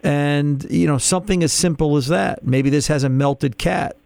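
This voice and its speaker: Gravelly-voiced male radio car show host. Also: fairly high pitch, moderate pace, a little mellow, dry recording. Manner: chatty, restarts often, explains patiently. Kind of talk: call-in radio advice.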